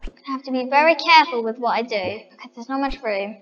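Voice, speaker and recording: A woman's voice: sits high, quick pace, long reverb tail, dull audio, faint music behind. A woman chatting to her viewers as she decorates a house in a game, thinking aloud. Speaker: vlogger. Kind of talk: casual game commentary.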